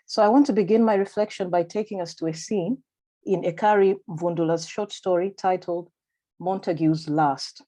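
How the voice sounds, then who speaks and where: Over a video call, a woman with a Malawian accent reads her prepared academic paper to a conference. Her voice is lowish and dark in tone, and her delivery is measured, formal and deliberate.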